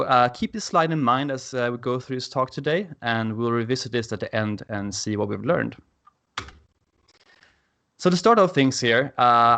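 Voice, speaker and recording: A man's voice: medium pitch, fairly bright tone. A man from Sweden with a Swedish accent, giving an enthusiastic technical presentation over a video call with frequent "uh" fillers. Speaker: conference speaker.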